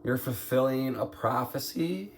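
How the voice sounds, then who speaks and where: A man with a scratchy, hoarse throat doing a slow, musing spiritual tarot reading, clearing his throat now and then. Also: mid-range voice, lively intonation. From United States. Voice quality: gravelly. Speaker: tarot reader.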